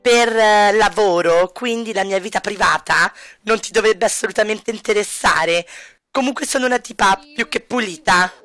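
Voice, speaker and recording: Snappish, scolding woman archaeologist, voiced by a man, bright and high-pitched, dry close sound, life-sim game voice-over. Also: moderate pace, no room sound, soft background music. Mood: irritated, scolding. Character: prickly, uptight woman archaeologist on a work trip.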